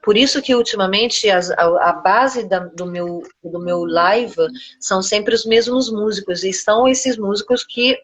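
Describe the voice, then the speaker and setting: A woman's voice: mid-range voice, measured pace, husky, dull audio. A middle-aged Brazilian woman, a singer, talking casually as an interview guest.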